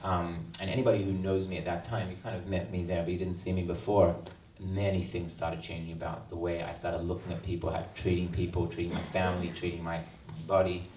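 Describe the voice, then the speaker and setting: Australian man, 30s, low and flat delivery, earnest and reflective; far-off roomy hall recording with faint ambience. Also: brisk, few pauses, slight background noise. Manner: earnest, reflective, frequent ums. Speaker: author. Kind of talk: book launch talk. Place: event hall. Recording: roomy hall sound, mic at a distance.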